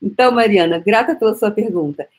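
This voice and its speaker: Energetic Brazilian woman coaching. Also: medium pitch, brisk. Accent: Brazilian Portuguese. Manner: energetic, coaxing, repeats phrases like a mantra; speaks intimately to the listener. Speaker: host. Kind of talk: motivational live-stream talk.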